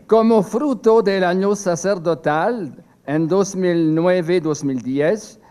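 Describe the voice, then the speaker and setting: Slow, halting older priest with French roots. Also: male voice, high-pitched, warm tone. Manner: slow and halting, with many fillers and restarts. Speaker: priest giving a seminar talk. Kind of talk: prepared talk read from a text.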